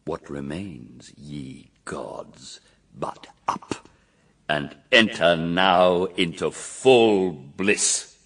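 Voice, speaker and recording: A man's voice: very slow, far from the mic, full character voice. An actor playing Satan, a proud fallen angel addressing his legions in grandiose, declamatory verse for a radio drama. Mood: sly, proud. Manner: grandiose, declamatory, swinging from booming cries to hushed murmurs.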